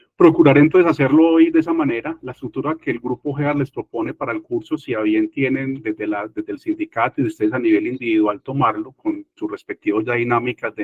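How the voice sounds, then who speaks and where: A man with a paisa Colombian accent, a fairly quick pace and ordinary pitch variation. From Colombia, Medellín (paisa region). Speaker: teacher and test-prep lecturer. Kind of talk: lecture.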